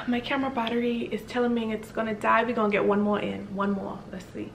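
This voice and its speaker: A young woman from the Bahamas, chatting with strangers in a casual, bubbly, flattering way. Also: on the high side, brisk, creaky. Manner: bubbly, flattering, laughs often. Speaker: vlogger. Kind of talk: casual video chat with strangers. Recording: echoey room, faint noise.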